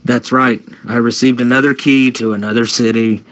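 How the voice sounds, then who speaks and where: A man from Chicago co-hosting a comedy show, boasting in deadpan with stammering restarts, on muffled lo-fi audio. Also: mid-range voice, moderate pace, very noisy. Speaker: co-host. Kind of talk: comedic banter.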